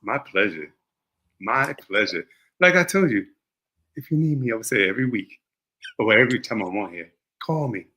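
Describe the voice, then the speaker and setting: A man's voice: fairly low pitch, animated, normal speed, long pauses. A man saying a friendly goodbye to a host in casual chat. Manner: warm, friendly sign-off. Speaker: caller guest.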